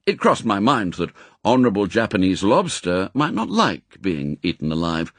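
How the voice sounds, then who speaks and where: Man acting British secret agent, audiobook hero, urbane, wry, ironic, lowish voice, dry studio sound. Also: sing-song, moderate pace, a bit bright, no room sound, exaggerated voice.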